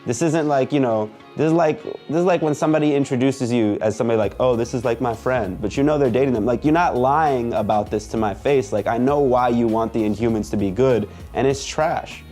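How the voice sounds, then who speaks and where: A man's voice: medium pitch, brisk, few pauses, dark tone, soft background music. A man in a casual comedic rant, sarcastic, with rising outbursts. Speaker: comics commentator.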